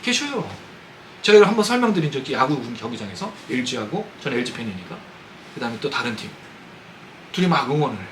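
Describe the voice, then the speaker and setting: A man's voice: medium pitch, sing-song, fast talker, fairly bright tone, a little hiss or hum, rough recording. A man preaching a Sunday sermon, talking conversationally and asking his congregation questions. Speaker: pastor. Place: church sanctuary.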